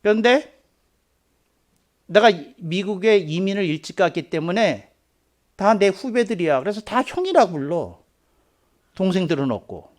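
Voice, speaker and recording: A Korean man who is a pastor, preaching a sermon in a storytelling way that slows down for emphasis. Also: animated. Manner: storytelling, voicing quoted people with rising pitch and force.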